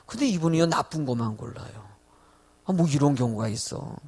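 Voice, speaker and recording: A man's voice: on the high side, animated, moderate pace, darkish tone, breathy edge. A male pastor preaching a sermon, often putting questions to his congregation. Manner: peppers talk with questions to the congregation.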